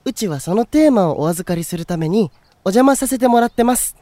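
A man's voice: high voice, lively intonation, fairly quick, warm tone, no room sound. A man playing a cheerful, guileless boyish young man in a voice drama, polite and chatty. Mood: puzzled. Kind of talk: Japanese voice drama acting.

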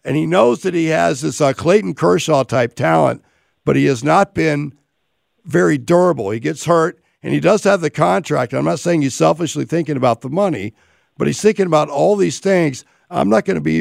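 Man, raspy gravelly voice, dry close sound, casual sports radio host, rambling analysis. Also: on the high side, normal speed, dry recording.

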